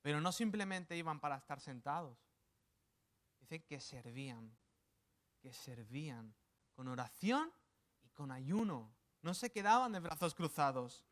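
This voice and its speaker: Man, pastor, from Spain, sermon, animated, slightly high voice. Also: measured pace. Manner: animated, playful asides with acted quotes.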